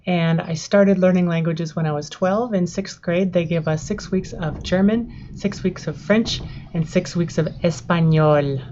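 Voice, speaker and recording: A young American woman whose first language is English talks casually to the camera in her own house. Her voice sits somewhat low, and she speaks plainly and without hurry. The home recording sounds dull and lo-fi. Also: darkish tone. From United States. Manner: plain, unhurried tour, naming household words one by one. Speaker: language learning vlogger.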